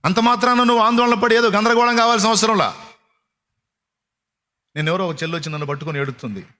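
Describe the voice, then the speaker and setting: High-voiced man preaching a fiery sermon. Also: sharp tone. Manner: rhetorical questions, mocking imitations, scolding.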